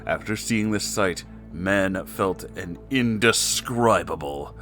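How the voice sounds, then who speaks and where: A man's voice: low voice, slow pace, a bit bright, faint music behind. A man narrating a comic story in a theatrical, emphatic way, with casual asides as the host.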